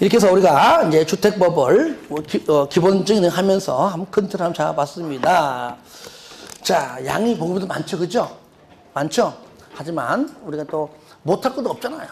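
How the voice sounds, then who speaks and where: A man's high-pitched voice with lively intonation at a moderate pace, over noticeable background noise. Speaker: lecturer at a cram school. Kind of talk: lecture. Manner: animated.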